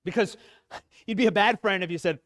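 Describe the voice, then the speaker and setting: A man's voice: high voice, a little fast, fairly bright tone. A man giving an earnest, emotional sermon to other men in a church, his voice catching as he speaks. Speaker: lay preacher at a men's church talk. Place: church sanctuary.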